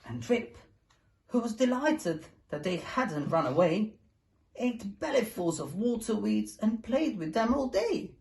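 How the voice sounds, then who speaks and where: A woman's voice: mid-range voice, big pitch swings, unhurried, gravelly, darkish tone, low-quality recording. A woman reading a rhyming picture book aloud with a rhythmic, sing-song delivery. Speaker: storybook reader.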